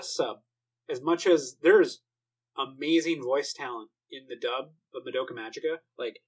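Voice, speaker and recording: A man's voice: a little high, rough recording. A young man rambling casually about anime, swearing often and filling gaps with "like" and "uh". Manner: rambling, profane, frequent fillers. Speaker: anime fan. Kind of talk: casual monologue.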